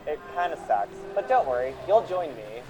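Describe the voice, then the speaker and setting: A man's voice: a little high, very animated, moderate pace, noisy background. Droll, swooping ghost of a dead man acted. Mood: droll, apologetic. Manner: droll, casual. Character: wry, apologetic dead man's ghost in a hallucination. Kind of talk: radio drama acting.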